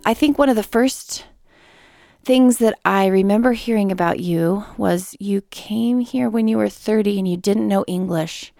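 A woman hosting a podcast, earnest and soft-spoken, sometimes dropping almost to a whisper. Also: medium pitch, unhurried, vocal fry, no echo. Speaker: podcast host. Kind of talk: scripted intro, then gentle interview.

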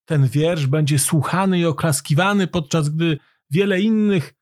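A man's voice: fairly high pitch, normal speed, voice pushed up, lightly acted. A man voicing an admiring Irish man marveling at a poem in a storybook reading.

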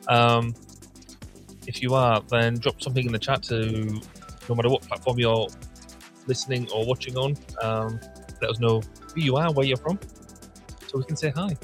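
A man's voice: mid-range voice, fairly even intonation, moderate pace, pauses often, faint music behind. A man with a British accent co-hosting a live podcast, teasing and rambling in casual banter. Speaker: podcast co-host.

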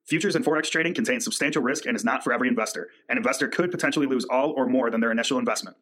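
A male announcer races through a scripted legal disclaimer. His delivery is extremely quick, with a mid-range pitch. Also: fairly bright tone, faint music behind.

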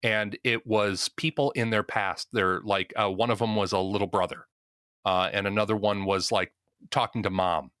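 A man hosting a podcast, speaking in a deliberate, measured way as he leads the group. His voice sits low but has a bright, forceful edge. The sound is dry and close. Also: fairly even intonation, clear, resonant tone, dry recording. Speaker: podcast host. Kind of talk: podcast discussion.

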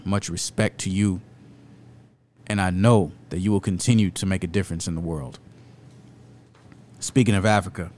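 A man's voice: lowish voice, a little mellow. Emphatic man delivering indignant commentary. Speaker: commentary host. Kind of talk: opinionated video commentary.

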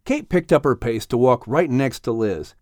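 A man's voice: medium pitch, animated, moderate pace, darkish tone, no echo, clean studio sound. A man reading scripted narration for a children's audiobook story.

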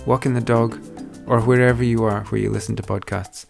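A man's voice: mid-range voice, flat delivery, brisk, vocal fry, a little mellow, faint music behind. A man hosting a podcast, reading a scripted intro and asking questions in an earnest, encouraging way. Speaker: podcast host.

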